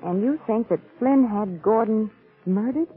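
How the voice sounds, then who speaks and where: A woman's voice: fairly high pitch, unhurried, slightly rough, faint music behind. An actress playing a pert, witty young woman, a sleuth's sidekick in an old-time radio drama, arch and inquisitive on a tinny old recording. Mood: curious, doubtful.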